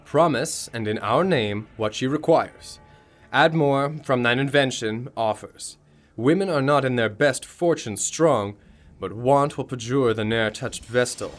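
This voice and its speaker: A man acts a cold young Roman ruler in a Shakespearean audio play. His voice sits in a middle register and gives orders with measured, calculating authority. Music plays behind him. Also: medium pitch, close to an everyday voice. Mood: scheming, commanding. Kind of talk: Shakespearean audio drama acting.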